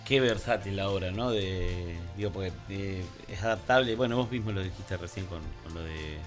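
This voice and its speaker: A man's voice: sits low, normal speed. An Argentine man co-hosting a casual radio chat, feeling his way through his thoughts as he searches for words. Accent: Argentine Spanish. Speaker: radio co-host. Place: radio studio. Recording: music clearly playing underneath.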